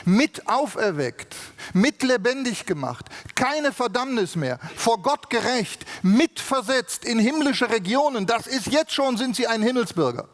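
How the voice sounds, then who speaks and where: A man's voice: very high-pitched, lively intonation, unhurried. A man from Germany preaching a sermon with emphatic rhetorical questions and frequent tag questions, in a large conference hall. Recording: long reverb of a large hall.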